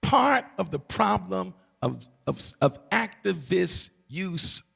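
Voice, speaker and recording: A pastor's gravelly, husky voice rises and falls with lively pitch as he teaches. He repeats key phrases for emphasis and checks in with the congregation. The sound carries the long reverb of a large hall. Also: takes it slowly. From Barbados. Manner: preacherly, call-and-response asides, emphatic repetition. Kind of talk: teaching sermon.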